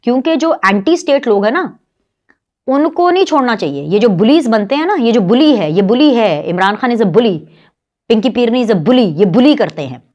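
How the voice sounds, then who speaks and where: A woman's voice: a little high, normal speed, lo-fi sound. A woman in her thirties with a Pakistani Urdu accent, hosting her own show and delivering a heated, mocking political monologue. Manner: scornful, mocking, animated. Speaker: political commentary show host.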